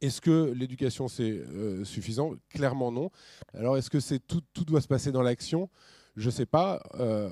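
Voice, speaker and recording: Here a man speaks at a fairly slow pace and medium pitch. His intonation is lively. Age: 40s. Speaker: engineer and permaculture farmer giving a talk. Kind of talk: conference talk with slides. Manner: halting, many repeated words and fillers.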